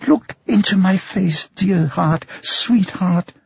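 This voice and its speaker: A man's voice: gravelly, husky, full character voice. A man doing a tearful blind girl. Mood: pleading. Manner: trembling, pleading, high and slow. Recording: muffled, dry, lo-fi.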